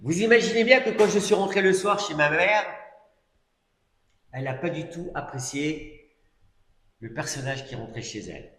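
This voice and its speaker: This middle-aged preacher's voice is a little high and fairly bright, with lively intonation, a moderate pace and long pauses. His testimony sermon unfolds as casual storytelling packed with asides and fillers, recorded with the roomy echo of a church hall.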